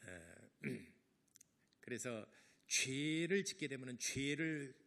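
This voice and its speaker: A man's voice: mid-range voice, expressive, slow, vocal fry, fairly bright tone. A middle-aged man preaching a sermon as pastor, talking casually to the congregation and acting out the people in his stories. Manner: conversational preaching with acted-out quotes.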